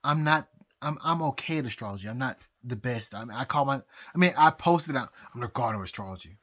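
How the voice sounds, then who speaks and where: Very drunk male vlogger, husky mid-pitched voice, halting, repetitive rambling monologue. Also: animated, fairly bright tone. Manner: halting, repetitive, losing his thread. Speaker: amateur astrologer vlogger. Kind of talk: rambling casual monologue to viewers.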